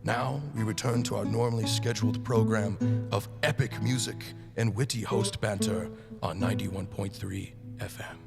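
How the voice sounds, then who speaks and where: A man's voice: fairly low pitch, fairly even intonation, normal speed, gravelly, hardly any pauses. A man reading a scripted sign-off as a radio play announcer. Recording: long reverb under loud guitar music. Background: loud plucked guitar music.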